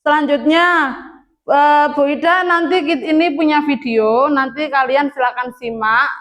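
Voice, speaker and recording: A young woman teacher with an Indonesian accent talks to her young pupils in a classroom. Her voice sits high and she takes her time, drawing the children in with gentle questions. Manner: slow, coaxing questions to pupils. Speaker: primary school teacher.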